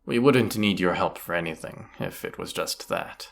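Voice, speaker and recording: A man's voice: deep voice, normal speed, vocal fry. A man playing a cocky, teasing, commanding bandit leader in a roleplay audio drama, casual and swaggering. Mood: teasing, confiding. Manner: casual, teasing, swaggering, rhetorical tag questions.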